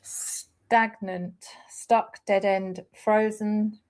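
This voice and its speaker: A woman hosting a live tarot stream, laying out cards and thinking aloud with hesitant pauses. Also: mid-range voice, level tone, darkish tone. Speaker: tarot reader host.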